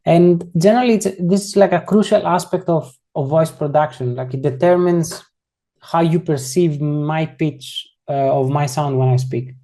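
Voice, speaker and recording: A soft, mellow-toned instructor leads an online coding tutorial over a computer microphone. The delivery is casual and explanatory, walking through each step while often restarting and correcting sentences. The pitch sits in an ordinary middle range. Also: moderate pace. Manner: frequently rephrases and corrects itself mid-sentence.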